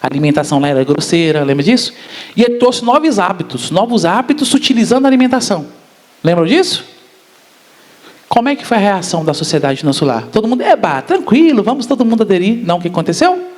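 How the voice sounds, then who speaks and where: A man's voice: high-pitched, fast. A man giving a spiritist public lecture, often asking the audience questions. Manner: asks the audience questions, animated.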